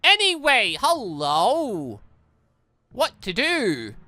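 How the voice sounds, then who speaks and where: Casting: excitable British gaming host, bright voice, very animated pitch, music underneath. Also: drawn-out words, no echo. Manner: excitable, exclaiming. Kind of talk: lively playthrough commentary, reading dialogue aloud.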